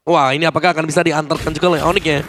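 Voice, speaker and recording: A man's voice: on the high side, steady tone, rapid-fire. A man giving analysis as a co-commentator on a live esports match. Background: game music.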